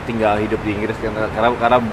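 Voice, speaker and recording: A man's voice: on the low side, flat delivery, rapid-fire. A young man, a musician being interviewed, talking casually and hesitantly, searching for words. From Indonesia. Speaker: musician guest, bassist and singer. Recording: outdoor recording with traffic noise.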